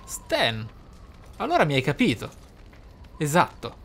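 A man's voice: on the high side, wildly swooping pitch, unhurried, gravelly, a bit bright, slight background noise. A man hosting a role-playing let's play, musing aloud with theatrical interjections. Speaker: gamer, let's play host. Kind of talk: role-playing game commentary. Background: game music.

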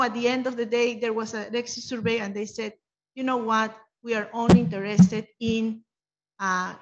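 A woman whose first language is Spanish speaks at a panel table, her voice sitting a little high. She talks earnestly and poses many rhetorical questions. The table mic gives a dull, lo-fi conference sound. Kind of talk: panel discussion remarks. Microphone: table mic on stand.

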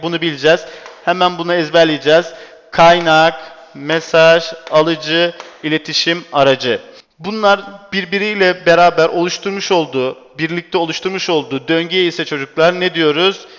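A man's voice: a little high, a bit bright, clear, resonant tone. A male teacher giving an exam-prep lecture, repeatedly asking rhetorical questions and answering them himself. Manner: quizzing with rhetorical questions, repetitive. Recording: dull echoey classroom recording.

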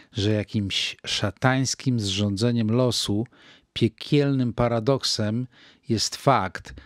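An older man reads diary entries at an unhurried pace, grave and measured. His voice sits at a middle pitch. The recording is close and dry, with no room around it. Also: no echo. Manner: measured, grave, deliberate pauses. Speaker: reader of a wartime diary. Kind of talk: slow reflective diary reading.

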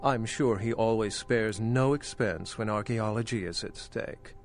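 A man's voice: on the low side, a little slow, slight background noise. An actor playing a scholarly vampire in a video game, an articulate, formal man with a dry, wry manner. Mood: cautioning, wry. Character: urbane, scholarly male vampire archaeologist, dry and knowing. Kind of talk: video game dialogue acting.

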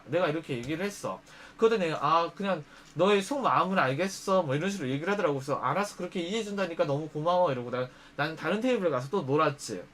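A man's voice: on the high side, slight background noise. A young man casually telling a personal story, acting out what others said in shifting voices. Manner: animated, acts out quoted lines in shifting voices. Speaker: storyteller host.

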